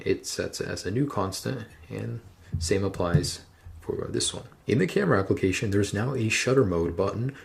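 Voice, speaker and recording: A man's voice: fairly low pitch, creaky, a little mellow. A man hosting a tech tutorial, walking step by step through phone settings in an instructional manner. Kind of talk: screen-recorded how-to narration.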